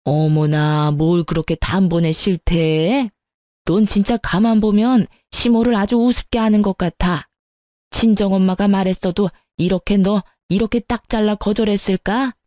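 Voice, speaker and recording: A woman voicing a pushy older mother-in-law who talks down to her daughter-in-law in a mellow, dry voice. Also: mid-range voice, fairly even intonation, normal speed, dry recording, natural voice. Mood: scornful. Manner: bossy, condescending. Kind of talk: storytelling radio.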